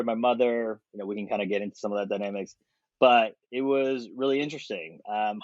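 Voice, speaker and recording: A man's voice: lowish voice, dry recording. Man in his thirties, from korea, reflective interview guest, dry close sound, a bit muffled. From South Korea. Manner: thoughtful, animated, with frequent fillers and laughs. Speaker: podcast guest. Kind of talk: conversational interview. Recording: dry, slightly dull podcast audio.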